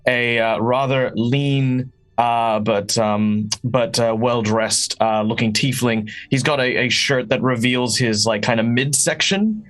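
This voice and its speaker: A man playing a tabletop role-playing game, improvising description and dialogue in halting, hesitant phrases. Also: mid-range voice, a bit bright.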